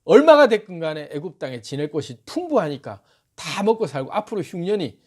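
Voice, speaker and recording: A man's voice: sits high, big pitch swings, a little fast, a little mellow, slightly rough, full character voice. A man voicing a generous Egyptian king who orders the brothers to bring their father to Egypt. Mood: commanding.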